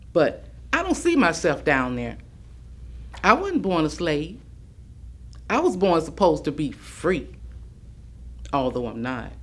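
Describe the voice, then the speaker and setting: A woman actor performing a defiant Black civil rights picketer's folksy, emphatic recollections, as a staged reading. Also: on the low side. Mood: defiant, resolute. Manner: plainspoken, folksy, emphatic storytelling. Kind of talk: staged reading of oral history.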